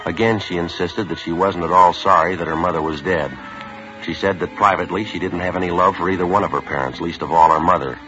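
A terse, matter-of-fact police detective, played by a man, narrates in a clipped, businesslike way, with a very low voice and a brisk, rapid pace. The sound is a dull, lo-fi vintage radio broadcast with clear music underneath. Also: fairly even intonation, natural voice. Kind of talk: 1950s radio drama acting.

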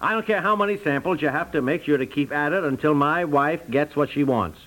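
An actor playing an excitable, protective middle-aged husband who repeats himself when flustered, in 1950s radio comedy style. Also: male voice, a little high, brisk, natural voice, low-quality recording. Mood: indignant. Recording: vintage 1950s radio recording.

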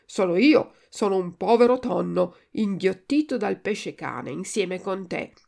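A woman's voice: medium pitch, animated, a little slow, creaky, darkish tone. A woman voicing a resigned, philosophical male tuna with a cracked voice in a storybook reading. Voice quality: cracked, like an untuned guitar.

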